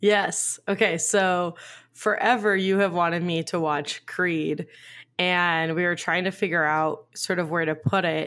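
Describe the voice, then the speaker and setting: In a very clean recording with a silent background, a woman speaks slowly in an ordinary speaking voice, her pitch fairly low and her intonation fairly even. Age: 20s. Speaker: movie podcast co-host. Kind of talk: casual chat.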